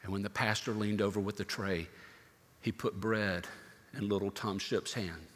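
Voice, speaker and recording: A male pastor telling a story in a sermon, dramatic and moving from hushed to loud. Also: lowish voice, steady tone, normal speed, in a large hall, slight background noise.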